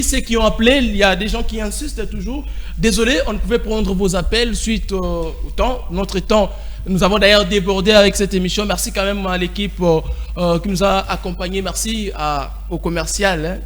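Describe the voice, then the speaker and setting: A man with a Congolese accent hosting a TV debate show, mixing French and Lingala and briskly keeping speakers to time. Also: high voice, fairly bright tone. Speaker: talk show host.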